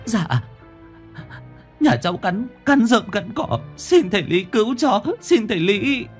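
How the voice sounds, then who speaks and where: A man voicing a poor village wife, pleading in a high wailing voice. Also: animated, a little slow, soft background music. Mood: timid begging. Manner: wailing, begging.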